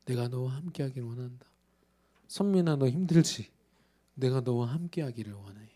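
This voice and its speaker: A male pastor voicing Jesus, a gentle grown man who tenderly reassures and rebukes his disciples. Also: a little high, animated, normal speed, close to an everyday voice. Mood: tender pleading.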